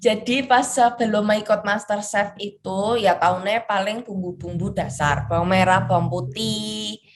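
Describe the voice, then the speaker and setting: Speaking at a fairly slow pace with hardly any pauses, a woman with a strong Javanese accent is heard over noticeable background noise. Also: medium pitch for a woman, lively intonation. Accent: thick Javanese. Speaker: cooking show finalist. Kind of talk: interview. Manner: casual, chatty.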